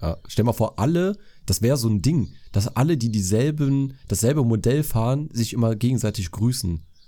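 A man with a dark, mellow tone and medium pitch speaks at a moderate pace, his intonation lively and his loudness very even. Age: 30s. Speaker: podcast co-host. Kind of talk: casual chat.

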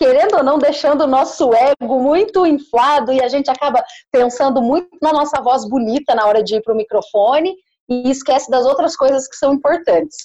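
A woman with a high-pitched voice speaks fairly quickly. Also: ordinary pitch variation. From Paraná, Brazil (Janiópolis). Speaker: voice-over artist. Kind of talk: casual interview. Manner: natural, unaffected delivery.

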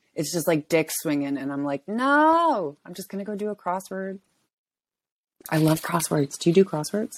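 At a moderate pace, a woman with fairly low pitch sounds animated, using lively intonation and big swings in loudness, in a dry, close sound with no echo and a very clean recording with a silent background. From Newfoundland, Canada. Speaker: actor. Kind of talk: casual chat.

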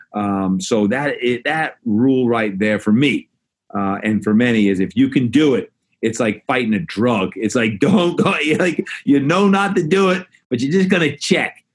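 A man speaks in a passionate tone at a moderate pace, his pitch medium. His voice swings very widely up and down in pitch. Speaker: gym owner and trainer. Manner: motivational, passionate; emphatic, uplifting.

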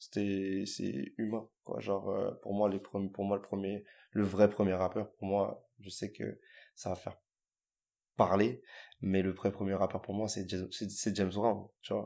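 In a very clean recording with a silent background, a man speaks very slowly in a dark, mellow tone, his fairly low pitch held monotone and flat. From Seine-Saint-Denis, France. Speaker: rapper. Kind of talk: casual interview.

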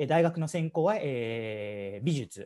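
A man's dark, mellow tone over a quiet background. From Mexico, Guadalajara. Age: 30s. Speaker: interpreter and cultural coordinator. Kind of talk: interview. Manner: polite, many fillers.

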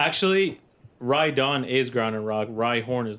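A man speaks at a medium pitch. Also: very clean recording, silent background. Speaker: podcast host. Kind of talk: casual group chat.

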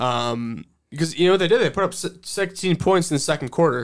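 With a Midwestern American accent, a man speaks at a fairly quick pace and fairly high pitch with ordinary pitch variation. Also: very clean recording, silent background. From Ohio, US Midwest. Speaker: sports podcast co-host. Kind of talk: casual chat.

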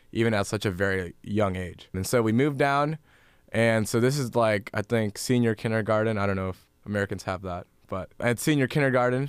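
A man with a Canadian accent has an ordinary speaking voice at medium pitch, with ordinary pitch variation. The recording is very clean, with a silent background. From Canada (Barrie, Ontario). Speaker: Bible college student. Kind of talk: interview testimony.

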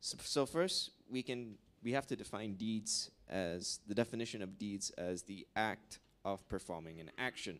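A normal speaking voice at a fairly slow pace, with ordinary pitch variation. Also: man, fairly low pitch for a man. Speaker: church member. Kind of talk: testimony.

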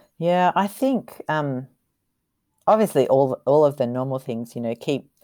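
A woman with an Australian accent speaks at a fairly slow pace in a very deep, low voice with a dark, mellow tone, recorded dry and close with no echo. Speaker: missionary. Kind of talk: interview testimony. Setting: remote call from Japan.

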